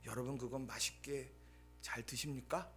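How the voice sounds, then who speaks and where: A male pastor preaching a Sunday sermon, telling stories with acted-out dialogue and swings between loud bursts and hushed asides. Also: mid-range voice, moderate pace, slight background noise. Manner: animated storytelling, acting out quoted dialogue.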